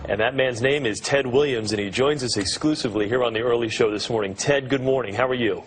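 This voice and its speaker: A man's voice: mid-range voice, fast talker. Upbeat male morning TV host. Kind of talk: broadcast interview hosting.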